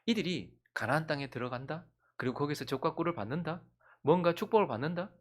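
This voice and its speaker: A woman's voice: low-pitched, lively intonation, quick pace. A woman pastor with a Gyeongsang accent preaching a sermon, asking the congregation one rhetorical question after another. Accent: Gyeongsang Korean.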